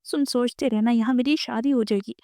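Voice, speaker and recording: Woman doing a desperate young woman, tearful and pleading, mellow voice, dry sound, audio novel. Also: on the high side, fairly even intonation, no echo, natural voice.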